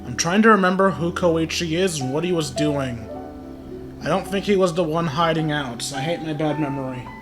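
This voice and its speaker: A man's voice: a little high, moderate pace. A man giving casual, playful let's play commentary, talking back to the game. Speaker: gamer commentating on a playthrough. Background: game music.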